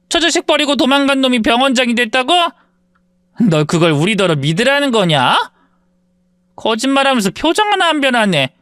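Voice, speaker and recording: A man's voice: very high-pitched, sharp tone, clear, resonant tone, no echo, studio quality, pitched above the performer's own voice, heavily acted. A man voicing a spiteful, mocking woman who bullies an old classmate in a told story. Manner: mocking, condescending, scornful.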